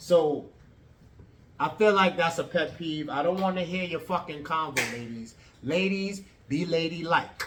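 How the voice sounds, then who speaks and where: A loud, animated man with a high pitch, broken up by long, frequent pauses. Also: ordinary pitch variation, fairly slow pace. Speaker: podcast host. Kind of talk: casual podcast commentary.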